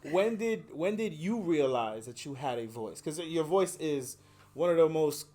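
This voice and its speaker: A man's voice: on the high side, lively intonation, unhurried, dark tone. A man hosting an interview, asking long rambling questions and often agreeing with short affirmations. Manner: chatty, with frequent affirmations. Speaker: interview host. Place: day spa.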